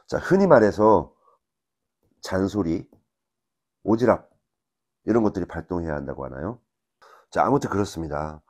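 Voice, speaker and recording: Guy with a really low voice teaching fortune reading, calm step by step, asks questions as he goes. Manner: measured, explains step by step with rhetorical questions. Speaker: saju fortune-telling teacher. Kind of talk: explanatory lecture at a whiteboard.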